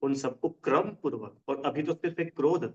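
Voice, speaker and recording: A man's voice: fairly high pitch, a little fast. A man teaching a religion class in casual Hindi. He often checks whether his students understand and explains with everyday examples. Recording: dull lo-fi sound.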